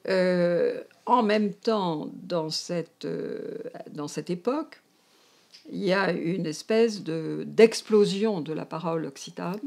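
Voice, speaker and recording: A woman's voice: fairly low pitch, takes it slowly, gravelly, darkish tone. An older woman with a northern French, Parisian accent recalls her academic career in an interview, hesitantly searching for words. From France. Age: older, seventies or above. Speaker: emeritus anthropology professor, interviewee. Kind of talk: reflective career recollection in a filmed interview. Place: indoors, domestic room, seated.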